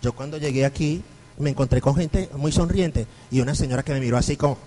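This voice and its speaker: A man with a Venezuelan accent, a Catholic priest lecturing a parish group on preaching, telling anecdotes in a lively way. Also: medium pitch, fast talker, rough recording. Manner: animated storyteller, acts out quoted voices.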